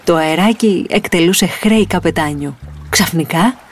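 A woman reading a children's picture book aloud in an expressive, lilting storytelling voice. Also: fairly low pitch.

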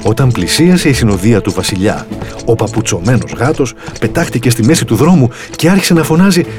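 A man narrating a fairy tale aloud in an expressive, lively storytelling manner. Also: medium pitch, over music. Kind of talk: storybook reading.

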